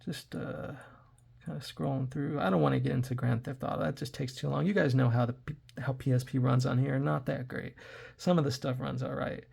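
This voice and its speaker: A raspy-voiced man in his forties, hoarse from throat trouble, rambling casually to his viewers while he plays retro games. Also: medium pitch, fairly even intonation, fairly quick, darkish tone. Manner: rambling, chatty, talks to viewers while playing. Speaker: tech reviewer playing retro games. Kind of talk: casual gameplay commentary.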